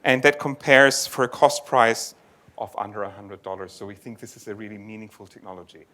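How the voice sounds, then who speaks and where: Bright-voiced man giving a tech talk. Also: fairly high pitch. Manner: explanatory, thinks aloud with restarts. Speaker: conference speaker. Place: lecture venue.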